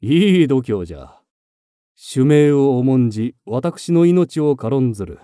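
A man's voice: mid-range voice, very animated, slow, dark tone, no room sound, studio quality. A man voicing a commanding young samurai lord who declaims boldly and proudly. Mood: mocking.

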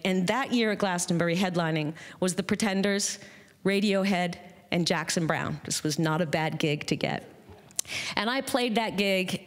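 A middle-aged woman from Massachusetts telling a personal story on stage, lively and quick to act out the people in it. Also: lowish voice. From Massachusetts, USA. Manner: animated, quotes people in lively voices.

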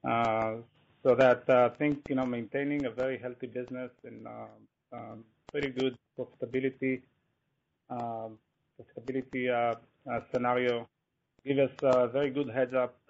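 A male company executive answering analysts on an earnings call, halting, with non-native phrasing. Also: mid-range voice, flat delivery, creaky, darkish tone. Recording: muffled, noisy conference call line with clicks.

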